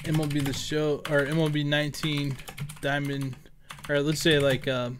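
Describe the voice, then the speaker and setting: A man's fairly high voice comes through a headset over a noisy background, delivered flatly at normal speed. As a gaming content creator recording his screen, he rambles through an informal tutorial, thinking aloud while typing.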